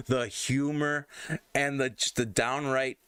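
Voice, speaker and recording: A man hosts a casual live stream in an animated, rambling way and laughs often. His voice is smooth and clear. The sound is dry and close. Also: medium pitch, slow pace, no room sound. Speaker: stream host.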